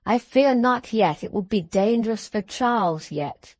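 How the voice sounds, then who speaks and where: A woman voicing a calm, commanding elderly father, a doctor in a storybook, measured and gently authoritative. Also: mid-range voice, no echo. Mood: grave.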